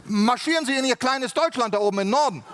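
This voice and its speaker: A man's voice: very high voice, expressive, fast, background noise. A man voicing a brusque male Swiss official who gives curt, pedantic orders. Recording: long reverb of a large hall.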